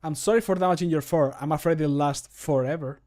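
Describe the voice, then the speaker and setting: A mock-sincere fantasy game character, acted by a man, with a slightly high male voice. Each scripted line is delivered deliberately and emphatically, with a punster's wryness. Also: a little mellow, lightly acted. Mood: mock apologetic.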